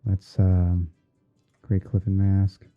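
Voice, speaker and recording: A man hosting an ASMR livestream, narrating his editing step by step in an unhurried way, as if murmuring to himself while he works. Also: sits low, completely flat delivery, faint music behind. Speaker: streamer hosting a roleplay. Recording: muffled phone-like band-limited audio.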